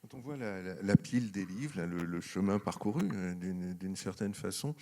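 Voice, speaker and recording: A man's voice: low-pitched, lively intonation, normal speed, mellow. A man interviewing a writer at a public event, framing his questions with hesitations and repeated words.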